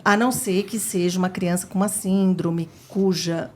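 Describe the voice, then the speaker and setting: A woman's voice: fairly low pitch, fairly even intonation, normal speed, a little mellow. Enthusiastic middle-aged woman explaining. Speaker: speech therapist guest. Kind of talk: casual interview chat.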